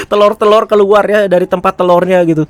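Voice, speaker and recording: A man's voice: high-pitched, flat delivery, brisk, no echo. A man giving a casual, chatty review of a TV episode, often chuckling and tagging his phrases.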